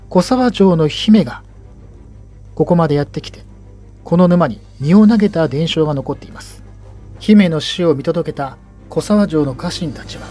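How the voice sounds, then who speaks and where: Bright-less, mellow higher-pitched male history guide. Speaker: local history guide and narrator. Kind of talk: explanatory historical narration.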